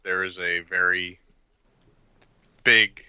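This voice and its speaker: A very bright, forceful and smooth-voiced government agent played by a man, polite but firm. He speaks in measured, diplomatic phrases for a tabletop game, on a slightly dull recording. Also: deep voice, steady tone, no echo, exaggerated voice. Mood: official, polite.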